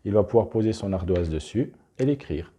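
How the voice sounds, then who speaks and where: Man, lowish husky voice, deep dark tone, talking through a hands-on classroom demo. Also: expressive, fairly quick. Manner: unscripted, restarts, talks while handling materials. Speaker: presenter demonstrating a teaching method. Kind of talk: explanatory demonstration.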